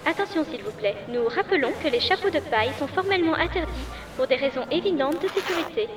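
A man's voice: very high voice, expressive, roomy sound, recorded from a distance, voice pushed up. A man doing a prim lady announcer. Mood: formal. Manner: brisk formal announcement tone. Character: prim female airport announcer.

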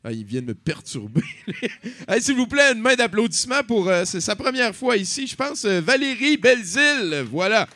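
A man's voice: high-pitched, big pitch swings, normal speed, pushed and bright. A man hosting a comedy night and introducing the next act, speaking hesitantly with many filler words.

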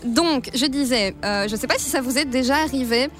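A woman's voice: high-pitched, normal speed, a bit bright, soft background music. A young woman presenting her segment on a radio show in a studio, chatty and lightly amused. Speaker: intern and columnist.

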